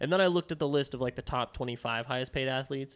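A man with an American accent, an ordinary speaking voice, medium pitch, ordinary pitch variation and a fairly quick pace. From Georgia, US South. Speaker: podcast co-host. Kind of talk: casual chat.

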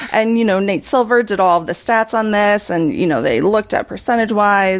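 A woman speaks with an American accent at a medium pitch. Hers is an unremarkable speaking voice with ordinary pitch variation. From New York. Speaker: podcast guest. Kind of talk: casual chat. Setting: remote call.

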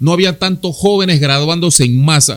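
Heard in a dry, close recording with no echo, a normal speaking voice moves at a moderate pace with ordinary pitch variation. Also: man. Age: 40s. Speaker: podcast host. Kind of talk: panel discussion.

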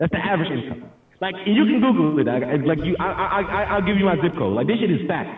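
A man talks at a very fast pace in an animated tone, his high pitch making very wide swings. Noticeable background noise runs underneath. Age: 20s. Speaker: podcast host. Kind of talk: casual chat.

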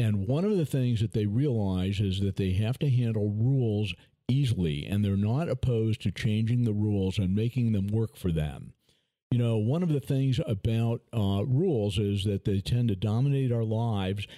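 In a very clean recording with a silent background, a man talks at a moderate pace with a dark, mellow tone, fairly low pitch and very even loudness. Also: ordinary pitch variation. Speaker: podcast host. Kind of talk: casual interview hosting.

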